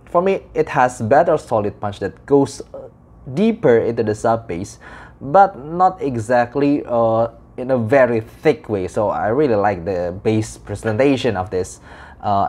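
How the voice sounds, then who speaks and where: A young man giving a casual product review in a halting way, stressing key words. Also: mid-range voice, darkish tone. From Indonesia. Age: young adult. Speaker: audio gear reviewer. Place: small indoor room.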